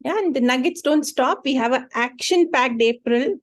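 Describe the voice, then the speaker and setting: Brisk Indian woman hosting a call. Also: sits high, no echo, studio quality. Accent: Indian English. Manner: friendly, brisk, wrapping up. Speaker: meeting host. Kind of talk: hosting an online meeting. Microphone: video call.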